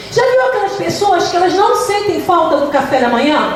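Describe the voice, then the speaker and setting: Over noticeable background noise and audible room echo, a woman speaks at an extremely high pitch. Her pitch swings very widely at a moderate pace. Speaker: church preacher. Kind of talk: sermon.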